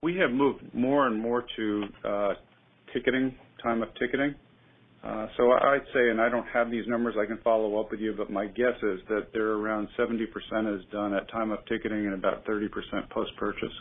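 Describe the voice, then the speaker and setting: Over a narrow phone line, a man with a fairly low voice answers questions as a company executive. He talks in a measured, upbeat business register, unscripted, as on an earnings call. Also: steady tone. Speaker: airline executive answering analysts.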